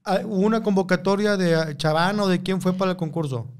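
A man's voice: sits high, fast talker. A man hosting a podcast, asking questions in a casual chat with short friendly replies. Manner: friendly prompting, short backchannels. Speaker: podcast host.

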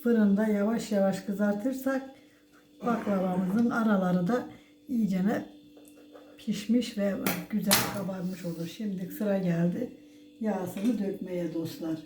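A woman's voice: medium pitch, slow pace. An older woman with toothless articulation gives a homely cooking demonstration, folksy and given to blessings, addressing viewers as friends. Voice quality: toothless, soft-edged articulation. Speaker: home cook presenting a recipe. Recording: roomy echo, faint background noise.

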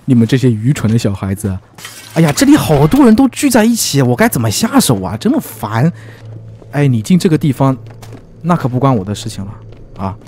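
A man giving lively, teasing commentary as he plays a video game, full of exclamations. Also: fairly high pitch, fairly quick. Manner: excitable, teasing, frequent exclamations and laughs. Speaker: gaming YouTuber. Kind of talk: let's play commentary.

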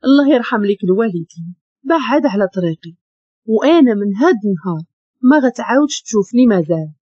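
A woman's voice: animated, fast, slightly rough, no echo, dull audio. A woman with a Moroccan accent voicing a frightened young woman who pleads to be left alone. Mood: pleading. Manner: pleading, higher and louder.

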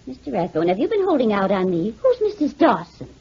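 A nervous, questioning sidekick woman in 1940s radio style. Her voice is high and swings widely in pitch. The aged recording is muffled. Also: wildly swooping pitch, fairly quick, a little mellow. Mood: puzzled, wary. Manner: questioning, anxious. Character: nervous, inquisitive, loyal female theatre wardrobe mistress. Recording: dull, noisy old 1940s radio recording.

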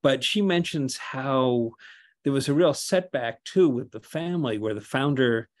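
An older man on a video call from a room at home, his voice at an ordinary middle pitch. He chats easily, winding through long questions with plenty of yeahs. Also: a little slow. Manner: chatty, asks long rambling questions, frequent affirming. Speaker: interviewer. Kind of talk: conversational interview over video call.

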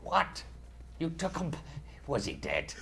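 A man voicing a boastful, salty male pirate in a gruff, theatrical comic voice. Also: medium pitch, huge pitch swings, takes it slowly, pushed and bright, a little hiss or hum, pitched above the performer's own voice, exaggerated voice. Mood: indignant. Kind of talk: comic improvised character voice.

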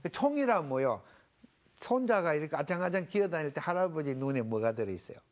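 A middle-aged pastor teaches scripture to a small panel. His pitch swings widely as he works through his points. He explains old Hebrew words with homely everyday examples. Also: very animated, fairly quick, faint music behind. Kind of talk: televised Bible lecture with a panel.

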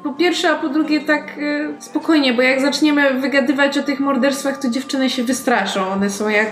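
A woman's voice: high voice, fairly even intonation, normal speed. A woman playing a tabletop role-playing game, casually talking through plans with the group. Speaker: tabletop RPG player. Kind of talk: casual in-game planning chat. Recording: roomy echo, music underneath.

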